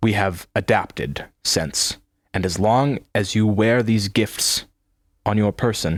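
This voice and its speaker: A man's put-on, robotic character voice with a solemn tone, fairly low pitch, fairly even intonation and a fairly slow pace, on a very clean recording with a silent background. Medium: actual play. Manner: solemn, formal.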